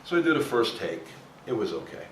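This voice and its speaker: A man's voice: medium pitch, fairly quick. Chatty ex-cop man in echoey room. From New Jersey. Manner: animated storyteller acting out quotes. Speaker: guest, actor and former cop. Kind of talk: casual storytelling chat. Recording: echoey room, voice a bit far from the mic, faint background noise.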